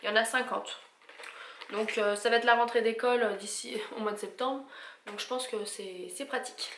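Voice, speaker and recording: A woman's voice: fairly high pitch, steady tone, moderate pace. A woman chatting casually through a shopping haul, listing items and prices and stumbling over English brand names. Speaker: vlogger showing a shopping haul. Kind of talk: casual haul vlog chat. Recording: echoey room with faint noise.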